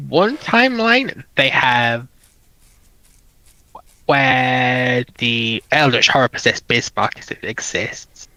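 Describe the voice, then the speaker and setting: A male panelist with a bright, forward voice at a middle pitch. He explains informally and haltingly, circling back to rephrase. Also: rough recording. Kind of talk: casual explaining of fictional lore.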